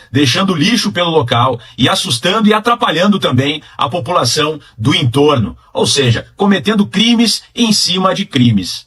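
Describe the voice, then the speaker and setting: Political commentator man, husky and bright, sounds far from mic, sarcastic. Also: a little high. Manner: mocking, sings lines sarcastically.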